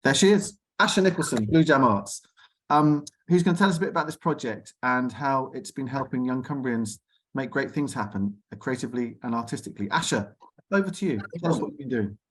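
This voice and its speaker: A man's voice: mid-range voice, fairly quick, a bit bright, a little hiss or hum, rough recording. A man hosting an arts discussion on a video call in a chatty, enthusiastic way. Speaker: host.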